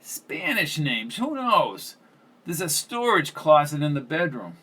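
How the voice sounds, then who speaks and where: A man's voice: a little high, very animated, slow pace, pushed and bright, slightly rough, exaggerated voice. A man voicing a blunt, foul-mouthed older landlady who gossips and curses freely. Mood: brash.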